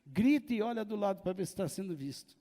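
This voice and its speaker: A man preaching a sermon as pastor, slow and deliberate, breaking now and then into shouted dramatizations. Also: sits high, lively intonation. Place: church hall. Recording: long hall reverb.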